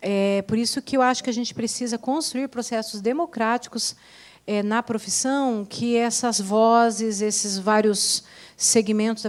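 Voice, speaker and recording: Her voice is fairly high in pitch, an unremarkable speaking voice. The woman keeps a moderate pace and fairly even intonation. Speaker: psychologist, council panelist. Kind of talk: panel discussion answer. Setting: event hall with audience, streamed online.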